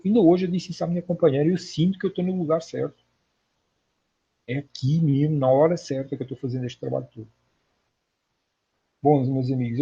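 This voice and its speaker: A Portuguese man with a Portuguese accent hosts a livestream as an online spiritual lecturer, casually answering viewers' comments. His medium-pitched voice is creaky and warm with a breathy edge. He speaks earnestly and repeats himself for emphasis, and the audio is lo-fi.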